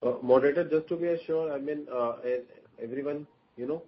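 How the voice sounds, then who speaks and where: A man on a conference call speaking off the cuff in a hesitant, halting way. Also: on the high side, breathy edge. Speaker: call participant. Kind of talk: spontaneous checking question. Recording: muffled conference phone line.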